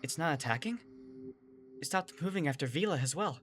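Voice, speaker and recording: A woman narrating a first-person horror audio drama, expressive, moving between hushed narration and excited character dialogue. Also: deep voice, a little fast, noisy background. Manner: expressive, swings from hushed to shouting. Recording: music playing behind the voice.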